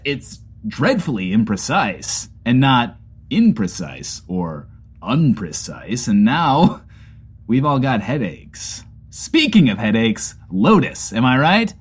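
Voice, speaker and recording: A man's voice: mid-range voice, slightly rough. An actor playing a grandiose, chatty male host of a post-apocalyptic variety show, with bombastic, wordy delivery. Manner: bombastic, verbose wordplay. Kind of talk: theatrical comedy broadcast monologue.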